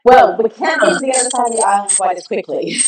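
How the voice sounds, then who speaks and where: A middle-aged woman from the American Midwest, a guest telling her story in a warm, reflective way over a video call. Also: a little high, quick pace. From Kansas, American Midwest. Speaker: guest, balm founder. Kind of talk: casual video interview. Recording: echoey room, distant mic, background noise.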